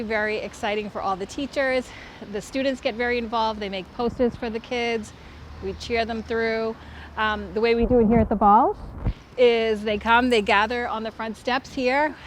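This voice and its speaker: Woman school principal, slightly higher voice, enthusiastic, interviewed outdoors with light traffic behind. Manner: enthusiastic, explaining step by step.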